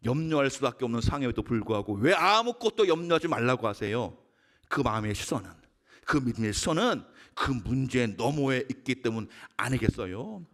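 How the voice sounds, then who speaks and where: A middle-aged male pastor preaching with a lively, swooping delivery, his voice sitting a little high for a man. He throws out rhetorical questions and pokes fun at himself, sometimes climbing into shouts. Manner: self-deprecating humor. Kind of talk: dawn service sermon.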